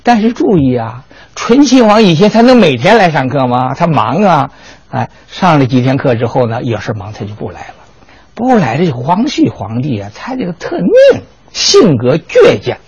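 An older man giving a storytelling history lecture, lively and animated, often asking his listeners rhetorical questions. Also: fairly high pitch, normal speed, slightly rough, lo-fi sound.

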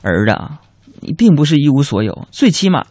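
A man puts on a middle-aged mother ribbing her son with mock tenderness. He lifts the voice high and lets it swing widely. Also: big pitch swings, brisk, a bit bright, no room sound, full character voice. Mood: mock-comforting.

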